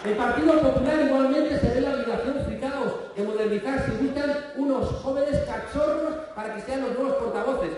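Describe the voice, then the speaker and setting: A man's voice: extremely high pitch, normal speed, few pauses, background noise. A man from Spain with a Spanish accent giving a sarcastic, joke-filled political rally speech, talking straight to the crowd. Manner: sarcastic, joke-telling, addresses crowd directly. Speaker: political speaker. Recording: echoey hall, distant mic, faint crowd.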